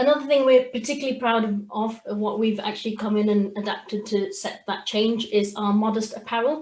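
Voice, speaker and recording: With a strong British accent, a woman speaks at a fairly quick pace with hardly any pauses, her fairly high voice somewhat breathy and her intonation fairly even. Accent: thick British. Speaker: sports development officer. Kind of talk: webinar presentation.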